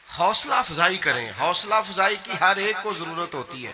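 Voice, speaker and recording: Background noise is noticeable here. A man's voice carries over it. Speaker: Islamic preacher. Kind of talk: Islamic sermon (bayan). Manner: emotional, earnest, preaching.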